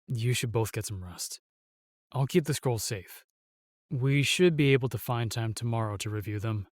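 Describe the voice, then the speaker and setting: A man's voice: mid-range voice, unhurried, no echo, clean studio sound, close to an everyday voice. An actor playing a protective male knight in a fantasy audio roleplay, formal, courteous and earnest. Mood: reassuring.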